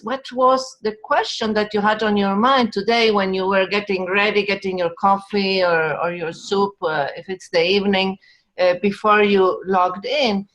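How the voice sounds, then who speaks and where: Brief: female host from Argentina, welcoming moderator on a video call, mid-pitched. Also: a bit bright, low-quality recording.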